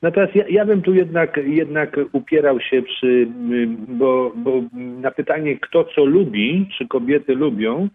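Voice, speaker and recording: A man's voice: mid-range voice, lively intonation, measured pace, hardly any pauses. Man, doctor, radio guest, stammers and jokes, thin phone-line sound. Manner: stammering, joking. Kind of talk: casual radio chat. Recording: phone-line call-in audio.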